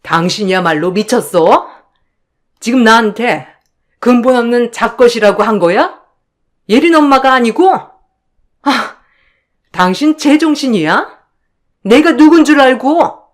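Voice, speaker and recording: A woman's voice: on the high side, animated, a little slow, long pauses, pitched above the performer's own voice. A woman voicing a furious, bullying elder sister-in-law who shrieks accusations and insults. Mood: indignant.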